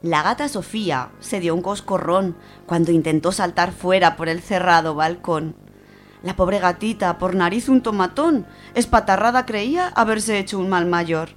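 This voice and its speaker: A woman's voice: lowish voice, normal speed, faint music behind. A woman with an accent from Spain, chatting casually and reading verse as a radio contributor.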